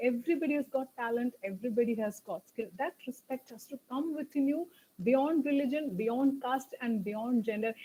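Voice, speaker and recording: With a Keralan accent, a woman speaks in a high voice that has a dark, mellow tone and ordinary pitch variation. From Kerala, India. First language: Malayalam. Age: 40s. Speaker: civil servant, guest speaker. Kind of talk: motivational talk. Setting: webinar video call.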